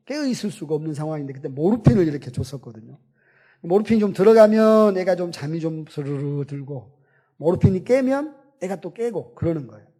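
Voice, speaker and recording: A middle-aged man, a missionary pastor, telling a personal story in a sermon, halting and emotional with long pauses. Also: sits high, dark tone. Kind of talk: sermon testimony. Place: church sanctuary.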